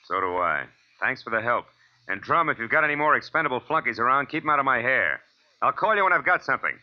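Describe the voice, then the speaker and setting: An actor playing a tough, cynical American private detective in 1940s radio drama style, clipped, sardonic and wisecracking. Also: male voice, medium pitch, big pitch swings, fast talker, close to an everyday voice. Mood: terse, scolding. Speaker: lead actor and narrator. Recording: muffled old radio recording with music.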